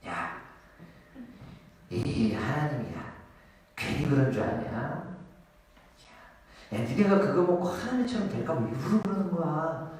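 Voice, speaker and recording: Sly hushed satan guy, a preacher doing him, coaxing, lively ups and downs, big echoey hall. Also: fairly high pitch, unhurried, pauses often. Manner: wheedling, hushed taunts. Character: sly taunting male Satan, coaxing doubt. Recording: echoey hall, mic far off.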